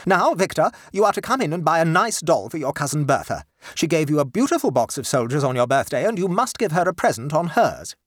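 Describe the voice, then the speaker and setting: An imperious upper-class mother from a storybook, as a male narrator puts her on, scolding in a raised, insistent register. The voice stays husky and close, with no room around it. Her lines swing high and emphatic. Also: big pitch swings, brisk, dry recording.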